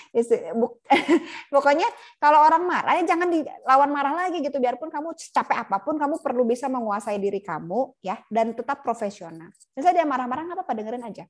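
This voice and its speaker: A woman lecturing on palliative care in a casual, chatty way, often laughing and acting out patient and nurse lines. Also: high voice. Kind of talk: casual online lecture with role-play examples.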